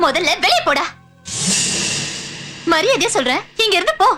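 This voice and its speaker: A woman's voice: extremely high pitch, sing-song, moderate pace, soft background music, exaggerated voice. An actress playing a defiant young woman who confronts a scheming relative. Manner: sharp, defiant. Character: defiant young woman guarding her niece.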